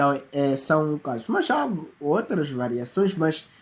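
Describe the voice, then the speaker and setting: A man at a fairly slow pace. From Mozambique. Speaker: French teacher. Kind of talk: language lesson. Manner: hesitant, with fillers.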